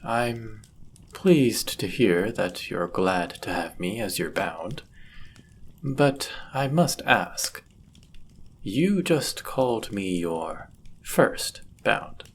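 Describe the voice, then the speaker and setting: A man's voice: fairly low pitch, animated, extremely slow, slight background noise, heavily acted. A man playing a powerful demon, a devoted and possessive servant, with formal, theatrical phrasing in a fantasy audio roleplay. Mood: reverent, pleased.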